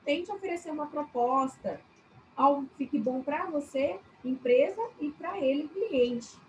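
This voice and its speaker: A woman with a high voice and a Brazilian Portuguese accent teaches a class on customer service. She keeps it chatty, turns to her students often and acts out little scenes. Faint noise sits under the recording. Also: measured pace, rough recording. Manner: chatty, addresses class as "gente", acts out examples.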